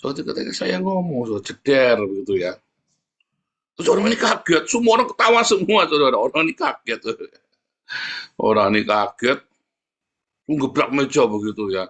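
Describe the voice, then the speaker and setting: A man from Indonesia with a Javanese Tegal accent, preaching a sermon in a chatty storytelling way. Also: a little fast. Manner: animated storytelling, jumps up into high mimicking voices.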